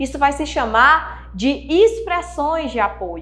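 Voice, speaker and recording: With faint music in the background, a woman speaks at a very slow pace. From Brazil, Maranhão (Imperatriz); Maranhão, Brazil. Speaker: schoolteacher. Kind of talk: lecture. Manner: warm, friendly. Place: studio. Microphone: lapel.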